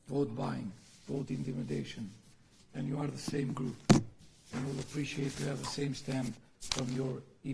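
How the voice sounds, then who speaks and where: Hoarse guy who lost his voice, super gravelly and dark, reading off points at a meeting. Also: medium pitch, a little hiss or hum, low-quality recording. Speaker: politician adding remarks. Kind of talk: formal statement at a meeting.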